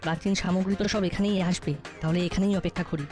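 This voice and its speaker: A woman's voice: on the low side, steady tone, very fast, a little mellow, soft background music, natural voice. A woman voicing a shrewd ten-year-old boy in a cartoon, alert and matter-of-fact. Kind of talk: cartoon voice acting.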